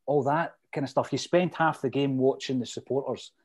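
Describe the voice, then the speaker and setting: A man's voice: mid-range voice, moderate pace. A middle-aged man with a Fife Scottish accent, reminiscing casually in a chatty, detailed, anecdotal way. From Fife, Scotland. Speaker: interview guest, lifelong football supporter.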